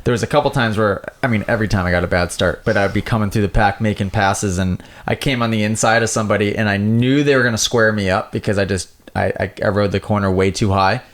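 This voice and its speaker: A man in casual podcast conversation, telling stories in an animated way and often saying "like". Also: on the low side, fast talker, few pauses. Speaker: motocross rider and coach, podcast guest. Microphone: podcast microphone.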